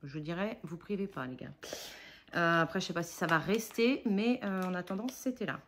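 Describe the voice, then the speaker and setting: A woman's voice: on the low side, moderate pace, slight background noise. A woman in her forties chatting casually in a haul vlog, rambling and self-mocking, with many fillers. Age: 40s. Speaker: budget haul vlogger.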